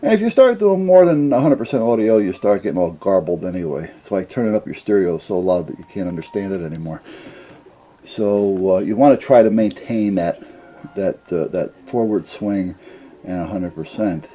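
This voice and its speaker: Older man with a very dark, mellow voice. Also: low-pitched, normal speed. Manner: rambling, plain-spoken, folksy. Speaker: CB radio hobbyist explaining gear. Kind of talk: casual unscripted explainer.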